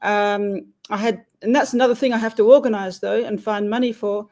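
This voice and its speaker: Woman guest, chatty and halting, explorer type. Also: medium pitch, steady tone, darkish tone. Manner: rambling with many ums and restarts. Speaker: expedition cyclist guest. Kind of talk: casual interview over a call.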